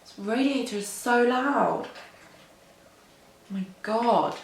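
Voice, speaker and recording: A woman's voice: a little high, slow, vocal fry, roomy sound, slight background noise. A woman in her twenties, rambling casually to camera while doing her makeup at a mirror, full of "like" and "um" and self-deprecating asides. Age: 20s. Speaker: beauty vlogger. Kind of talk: chatty get-ready-with-me rambling. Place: indoor room at a mirror.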